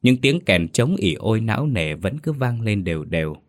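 A man narrating a scripted ghost story in a steady, even manner. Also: fairly low pitch, moderate pace.

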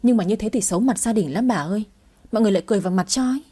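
A grieving, stubborn old mother pleads and laments in a mellow voice, as a woman narrator puts her on. Her husky tone carries through an audio storybook, with faint music behind. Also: medium pitch, racing, natural voice. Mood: plaintive. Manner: tearful, pleading.

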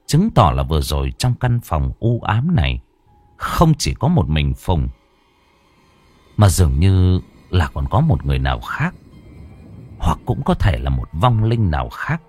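A man's voice: lowish voice, huge pitch swings, unhurried, darkish tone, no echo. A man narrating a ghost story in a dramatic, suspenseful way.

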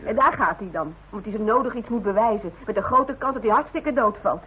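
A woman's voice: medium pitch, lively intonation, fast talker, slightly rough, narrow, tinny audio. An actress playing a devoted, worried woman who is firm and direct, in a naturalistic radio play on an old recording. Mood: worried, reproachful. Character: devoted, plain-spoken, worried woman coaxing her stubborn father.

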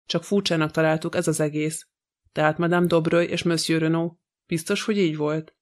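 A man reading an audiobook, voicing a stern, impatient male magistrate who questions briskly. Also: fairly high pitch, level tone, close to an everyday voice. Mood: questioning.

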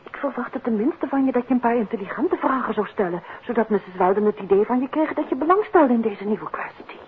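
An actress playing an inquisitive, gently needling detective's wife, probing and wryly teasing, in a 1950s Dutch radio drama. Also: female voice, on the high side, expressive, brisk, lightly acted. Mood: reproachful, needling. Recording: muffled, noisy 1950s radio recording.

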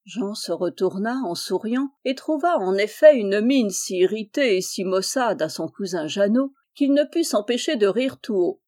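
Woman, audiobook narration, mellow warm tone, calm measured pace. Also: medium pitch. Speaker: audiobook reader. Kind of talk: scripted narration.

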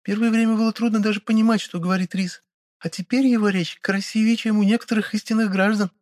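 A man voicing a gentle, caring young noblewoman who speaks softly and earnestly. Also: sits high, fairly even intonation, quick pace, dry recording, clean studio sound, voice pushed up, natural voice. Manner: soft, earnest, kind. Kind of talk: audiobook character voice.

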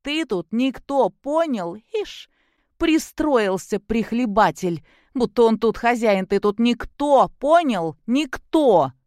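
A woman's voice: on the high side, animated, normal speed, no echo, clean studio sound, voice pushed up, natural voice. A woman voicing a drunk, spiteful young mother who talks in a slurred, mocking, whiny way.

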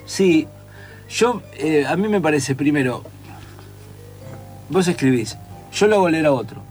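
A man's voice: a little high, lively intonation, unhurried, a little mellow, faint music behind. A man with a Rioplatense Spanish accent, a writer and teacher in casual conversation, who sings out rhythms to explain his points.

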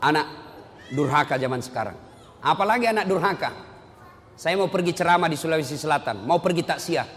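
High-voiced male preacher in a reverberant hall. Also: a little fast, long pauses. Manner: animated, swings between loud emphatic rises and low quiet drops. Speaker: Islamic preacher. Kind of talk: lively sermon with anecdotes.

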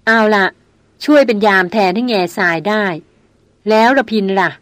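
A gruff grown man, a jungle hunter who talks low, short and stern, as a woman reader puts him on. The storybook delivery is close and dry, with no room sound around it. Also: normal speed, a bit bright, dry recording, close to an everyday voice. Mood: wry. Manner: curt, stern. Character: gruff adult male jungle hunter, curt.

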